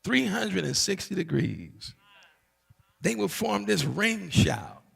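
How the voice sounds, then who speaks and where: A pastor's gravelly, husky voice rises and falls with lively pitch as he teaches. He repeats key phrases for emphasis and checks in with the congregation. The sound carries the long reverb of a large hall. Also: slow pace. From Barbados. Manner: preacherly, call-and-response asides, emphatic repetition. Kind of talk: teaching sermon.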